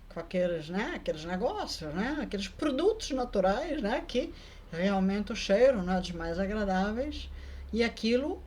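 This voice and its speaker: A woman vlogger telling a personal story in a casual, lively way, often adding quick tag questions. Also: medium pitch. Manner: lively, acts out the people in her story.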